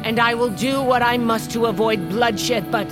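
An actress playing a proud, fierce, aging tribal queen, giving solemn, deliberate oratory in an audio drama. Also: on the high side, natural voice. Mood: grave warning. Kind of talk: dramatic audio fiction acting. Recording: loud dramatic music behind.

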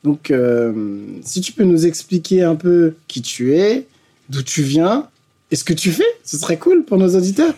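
A man's voice: fairly high pitch, sing-song, unhurried, dark tone, slightly rough. A man hosting a podcast, reading a scripted intro and then chatting casually with a guest. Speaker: podcast host. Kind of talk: podcast interview.

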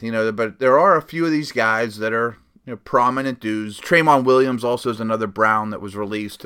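A man's voice: on the low side, sharp tone, clear, resonant tone. Sniffly man chatting football. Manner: rambling, lots of fillers and restarts. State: sniffly, stuffed up. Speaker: football podcast host. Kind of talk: casual solo sports commentary.

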